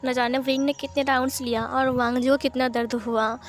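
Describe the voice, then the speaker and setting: A woman's voice: sits high, flat delivery, brisk, faint music behind. A woman narrating a fan-fiction romance story in a plain, flowing retelling.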